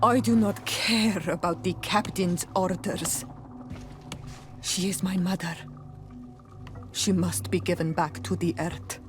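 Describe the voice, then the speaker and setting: A woman's voice: on the low side, steady tone, slow pace, pauses often, over music. A woman acting a proud, passionate young tribal princess, solemn and direct, in a video game. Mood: solemn, determined.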